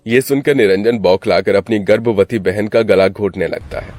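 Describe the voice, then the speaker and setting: A man narrating a dramatic cartoon story in a steady voice. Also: fairly low pitch, normal speed.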